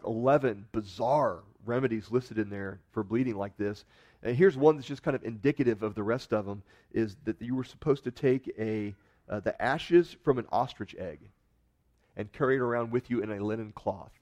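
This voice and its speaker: Man, sermon, pastor, expressive storyteller, emphatic swells, middle pitch.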